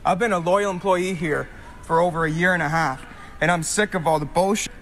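A man's voice: high voice, a little fast, fairly bright tone, a little hiss or hum. A young man reading an angry, stumbling resignation announcement over a store intercom. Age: young adult. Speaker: store employee quitting.

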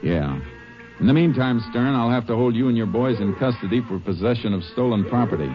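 An actor playing a calm, shrewd Texas Ranger in a 1950s radio western, speaking in a terse, matter-of-fact way. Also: male voice, medium pitch, a little fast, soft background music, lightly acted. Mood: firm, businesslike. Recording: dull old 1950s radio recording.

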